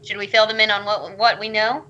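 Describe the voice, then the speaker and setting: A woman plays a tabletop roleplaying game with playful, quippy remarks. Her voice is bright, sitting in a middle range for a woman. The recording is slightly dull, with faint ambience behind it. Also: mid-range voice, flat delivery, a little fast, slight background noise. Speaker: player.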